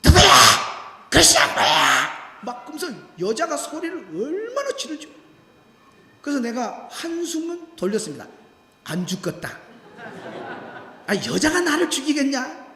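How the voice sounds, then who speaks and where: Male pastor, sermon delivery with lively swings in pitch; animated storyteller, recorded in a reverberant church sanctuary. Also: normal speed, long pauses. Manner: animated storytelling, acting out quoted voices. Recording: echoey church hall.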